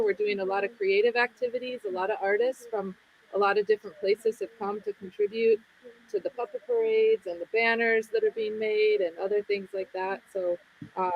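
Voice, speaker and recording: Mid-pitched woman speaking casually. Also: vocal fry, dull audio, slight background noise. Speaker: camp member. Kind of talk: casual spoken welcome.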